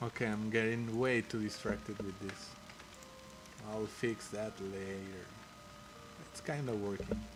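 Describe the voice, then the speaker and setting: Man with a Spanish accent, monotone and flat, at a fairly slow pace with long, frequent pauses, music in the background. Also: fairly low pitch for a man. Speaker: streamer doing 3D modeling. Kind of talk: live-stream work commentary.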